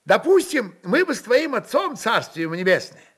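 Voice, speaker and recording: A man voicing an excitable old Cossack jester in a storybook reading, grumbling and declaiming in a folksy way. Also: high-pitched, moderate pace, breathy edge, voice pushed up, heavily acted. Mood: indignant, haranguing.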